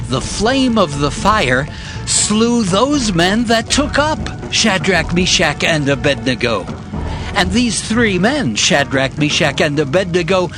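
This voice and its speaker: A man narrating dramatized scripture in a solemn, deliberate storytelling manner. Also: a little high.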